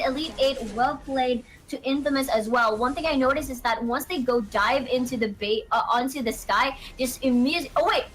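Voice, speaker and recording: Woman calmly analyzing an esports match. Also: a little high, slight background noise, low-quality recording. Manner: analytical, explains strategy at a steady pace. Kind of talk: color commentary.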